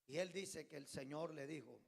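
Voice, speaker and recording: A man preaching a sermon as pastor, telling a story and building up to shouted exhortation, recorded in a church. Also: fairly high pitch, moderate pace, vocal fry, breathy edge. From Colombia. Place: church hall. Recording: long church reverb.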